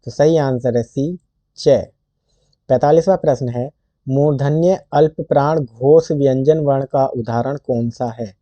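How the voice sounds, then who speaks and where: Tutoring for a Hindi exam, a man reads quiz questions and options slowly before stating each answer. His mid-range voice is dark, captured close up in a dry room with no room sound and dull lo-fi quality.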